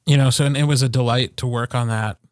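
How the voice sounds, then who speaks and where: A man chatting casually and reflectively as a podcast co-host, in a halting, conversational way. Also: medium pitch, steady tone, no echo, studio quality. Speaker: podcast co-host and audiobook narrator.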